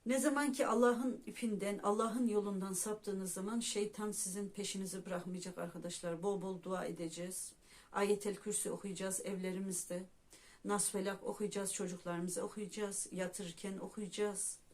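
A woman's voice: mid-range voice, fairly even intonation, moderate pace, darkish tone. A woman vlogger telling viewers a heartfelt personal story with religious devotion, speaking directly to them as friends.

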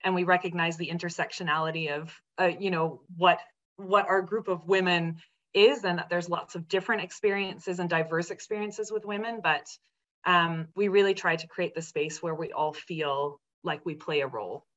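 A woman's voice: fairly low pitch, steady tone, normal speed, fairly bright tone. Earnest woman on a dull video call. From Netherlands. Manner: earnest, many ums and restarts. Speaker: guest, executive director of a women's centre. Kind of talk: interview over video call. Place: home room with colourful art on walls. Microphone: laptop webcam video call.

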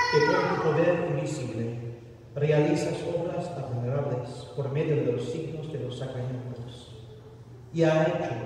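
Male priest, formal liturgical reading, slightly high voice, cavernous church echo, recorded from afar. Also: darkish tone. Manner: formal, measured reading with occasional stumbles. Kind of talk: solemn liturgical prayer recitation. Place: large church interior. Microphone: distant camera recording. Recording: cathedral-like echo, distant mic, noisy room.

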